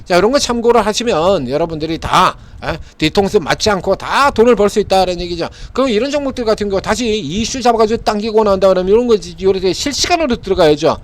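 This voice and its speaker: A man delivers casual stock market commentary in a high, very lively voice that swings widely in pitch. He talks emphatically and repeats himself like a pitchman, and keeps tossing in rhetorical "eh?" questions to the viewer. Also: fast, few pauses. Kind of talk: informal stock analysis talk.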